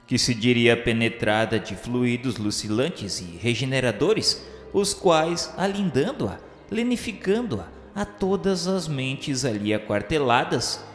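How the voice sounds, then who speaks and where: A man reading a radio novela narration in a solemn, florid, measured literary style. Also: medium pitch. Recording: echoey long reverb over music. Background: music.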